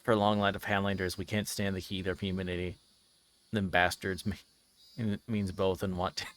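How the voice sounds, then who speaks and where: A man's voice: sits low, flat delivery, fairly quick, a bit bright. A man livestreaming a visual novel, chatting casually and reading aloud, sometimes stumbling over his words. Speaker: streamer.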